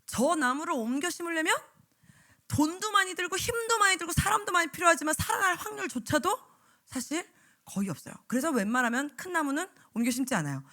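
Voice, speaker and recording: Animated, bright-voiced woman preacher. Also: very high voice, brisk. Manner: animated, acts out voices of teachers and children. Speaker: evangelist preacher. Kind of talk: lively sermon to church teachers. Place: church sanctuary.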